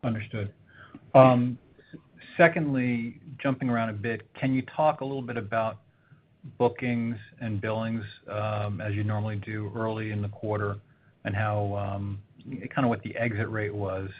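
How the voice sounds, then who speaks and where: A male financial analyst with a fairly low voice asks wordy, roundabout questions on an earnings call. The line sounds dull, with faint noise behind him. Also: flat delivery, moderate pace. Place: conference call.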